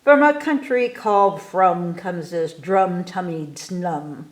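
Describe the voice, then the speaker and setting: A woman reading a children's storybook aloud with expressive, theatrical emphasis. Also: lowish voice, takes it slowly. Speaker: story time reader. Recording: echoey room.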